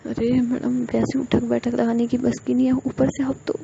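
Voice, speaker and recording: A woman's voice: fairly high pitch, little pitch movement, normal speed, vocal fry, pitched above the performer's own voice. A woman doing a whiny pleading scared young man. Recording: dull lo-fi with loud noise.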